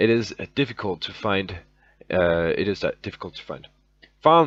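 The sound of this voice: An unforced reading voice is heard here.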